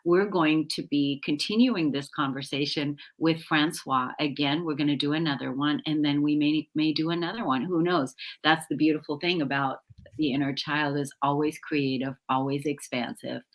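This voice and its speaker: A woman's voice: low voice, fairly even intonation, moderate pace. A woman co-hosting a talk show, gushing with effusive praise and many fillers. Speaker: co-host. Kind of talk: warm-hearted talk show chat.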